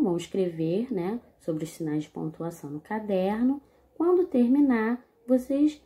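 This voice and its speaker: Brief: woman, schoolteacher in a video lesson, deliberate and direct with the class, warm dark tone. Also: medium pitch. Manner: slow, deliberate explaining, addressing the class directly. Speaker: teacher.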